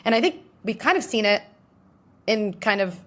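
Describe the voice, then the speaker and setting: A woman being interviewed, explaining ideas in an animated way and acting out little scenarios in different voices. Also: mid-range voice, moderate pace. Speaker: guest psychologist. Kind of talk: interview answers.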